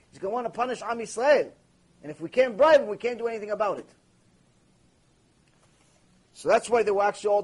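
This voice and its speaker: Husky-voiced rabbi asking and answering himself. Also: male voice, high voice, poor audio. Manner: asks questions and answers them himself, emphatic and storytelling; mixes Hebrew terms into English. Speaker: rabbi teaching a Torah class. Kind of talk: lively recorded Torah lecture.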